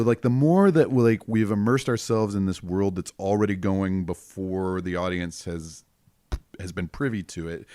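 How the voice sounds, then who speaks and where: A middle-aged man with a deep voice, an improv performer and teacher talking casually in a podcast interview, often acting out bits of scenes. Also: no room sound, studio quality. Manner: animated, acts out quick bits of scenes with laughs.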